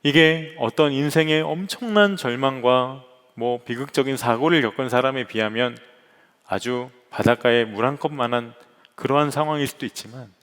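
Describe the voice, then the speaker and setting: A man's voice: medium pitch, a bit bright. A young man, a pastor, telling a story in an earnest sermon and speaking directly to the congregation. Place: church sanctuary. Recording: long hall reverb.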